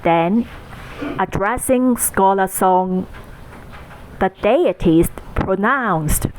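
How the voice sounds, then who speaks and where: A woman with an East Asian accent reading a classical tale in a measured, deliberate, formal storytelling manner. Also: mid-range voice, a little mellow, slight background noise, poor audio. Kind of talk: scripted narration of a classical Chinese ghost tale.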